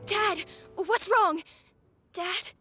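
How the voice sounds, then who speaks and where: A woman's voice: extremely high pitch, very slow, music in the background, exaggerated voice. An actress playing a fragile, worried little girl in a video game. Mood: distressed.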